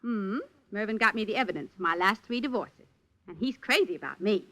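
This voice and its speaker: A woman's voice: medium pitch, expressive, fairly quick, a bit bright, close to an everyday voice. An actress playing a scheming, glamorous female film star in a 1950s radio drama, sultry and condescending.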